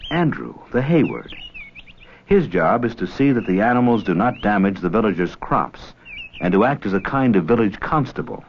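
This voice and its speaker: A man's voice: lowish voice, very animated, moderate pace. A man reading scripted educational documentary narration on an old film soundtrack. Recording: muffled, faintly noisy old 16mm film soundtrack.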